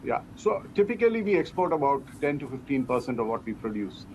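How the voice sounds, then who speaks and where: A man giving measured, explanatory answers as a company executive in an interview. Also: mid-range voice, big pitch swings, a little mellow. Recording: clearly noisy background.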